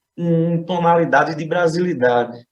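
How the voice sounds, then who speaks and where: In a Recife accent, a man speaks at a fairly slow pace with a high pitch. Room echo is audible. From Brazil, Recife. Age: young. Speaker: psychoanalyst. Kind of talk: conference talk. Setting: conference panel.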